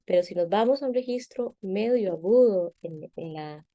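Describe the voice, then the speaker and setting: A woman voice teacher speaks in a mellow, warm tone, explaining singing technique patiently and checking in with her listener as she goes. She is heard through a video call. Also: mid-range voice, expressive, moderate pace, dull audio. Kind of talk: explanatory interview answers.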